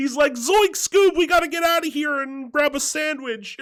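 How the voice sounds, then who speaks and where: At a moderate pace, someone performs a put-on character voice. The pitch of the act is high. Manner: goofy.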